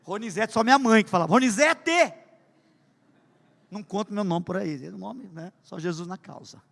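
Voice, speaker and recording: A man preaching a sermon with humorous stories, swinging between loud emphasis and hushed asides. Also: sits high, fast talker, creaky, in a large hall. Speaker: pastor.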